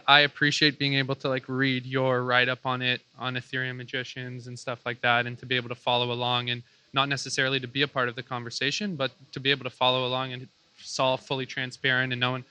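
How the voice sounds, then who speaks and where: A man's voice: mid-range voice, little pitch movement, fast, pushed and bright, smooth. A man in a live panel discussion who speaks hesitantly and fills his talk with "like" and "I mean".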